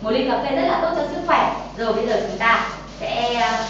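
A woman's voice: on the high side, fairly quick, heavy reverb, recorded from a distance, dull audio, noisy background. A young Vietnamese woman presenting a healthy-drink tutorial in a kitchen studio, chatty and full of filler sounds, talking straight to viewers. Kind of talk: cooking and nutrition tutorial. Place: bright kitchen studio set, indoors.

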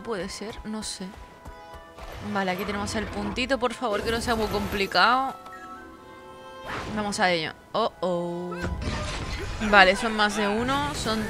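Casting note: sleepy woman gamer, talkative and foul-mouthed, dramatic in fights, game music clear underneath. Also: medium pitch. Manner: chatty, swears freely, dramatic cries for help during fights. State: tired, sleepy. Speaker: gameplay streamer. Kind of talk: casual gameplay commentary.

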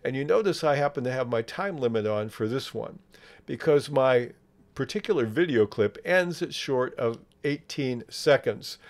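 Man narrating a software tutorial. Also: medium pitch. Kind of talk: step-by-step screen tutorial narration.

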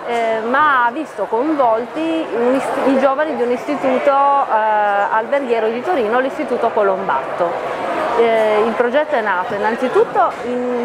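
A middle-aged woman, a training officer, explaining a project at a food fair stand, measured and hesitant with many fillers. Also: fairly high pitch. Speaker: training officer for a farmers' association. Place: busy exhibition hall stand with a crowd. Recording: crowd chatter and hall noise behind.

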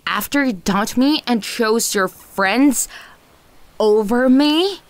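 A woman playing a possessive, manipulative ex-girlfriend in an ASMR audio roleplay, condescending and volatile, with teasing, lingering, breathy delivery. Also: a little high, expressive, slow pace. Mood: agitated, scornful. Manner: condescending, teasing, lingering on words, often breathy half-whispers.

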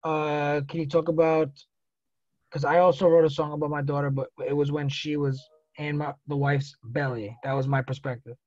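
A man's voice: a little high, level tone, a little mellow, no room sound. A man in his thirties with a Brooklyn accent, hosting an upbeat, slangy chat over a video call with an earbud headset. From Brooklyn, New York. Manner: upbeat, slangy, quick to hype. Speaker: podcast host. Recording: dull lo-fi call audio.

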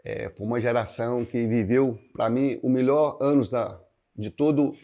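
A man in his sixties, a pastor from Minas Gerais, speaks in a middle-pitched voice. He talks slowly and reflectively, pausing to search for words and often adding little tag questions. He is close on a lapel mic in a quiet living room. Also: fairly even intonation, lo-fi sound. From Minas Gerais, Brazil. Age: 60s. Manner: unhurried, searching for words, frequent "né" fillers, gestures with both hands. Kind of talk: reflective interview answers to camera. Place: indoors, living room with paintings. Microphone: clip-on lapel mic.

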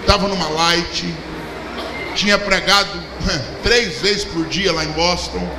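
A Brazilian man preaches from a pulpit, his voice sitting high for a man as he spins a humorous travel story. The sound rings out in a long hall reverb, with a steady room hum underneath. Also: slow. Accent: Brazilian Portuguese. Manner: preaching with storytelling and humor, hand-held mic, animated gestures. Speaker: pastor. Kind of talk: sermon. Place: large church hall with a packed congregation. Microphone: handheld mic. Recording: echoey hall with crowd hum.

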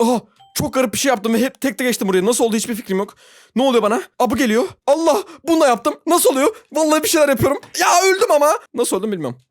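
An excitable gaming YouTuber talks viewers through a frustrating level, swinging from low mutters to high squeals with a very lively pitch. The sound is dry and close, with no room around it. The talk is self-mocking and chatty, aimed straight at the audience. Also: rapid-fire, no room sound. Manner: talks to viewers directly, laughs often. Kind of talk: Roblox gameplay commentary.

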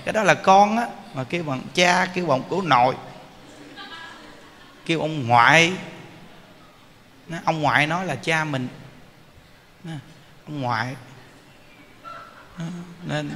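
Bright-voiced Southern Vietnamese man preaching. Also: a little high. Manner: folksy, animated, mimics scolding parents. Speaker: Buddhist Pure Land teacher. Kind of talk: dharma talk sermon. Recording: reverberant hall with faint ambient noise.

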